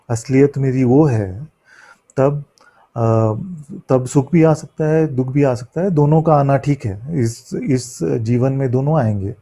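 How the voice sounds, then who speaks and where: A man with a warm, medium-pitched voice delivers a spiritual discourse as a teacher, answering questions. Hindi isn't his first language, and he apologises for it, halting over words and blending English into his imperfect Hindi.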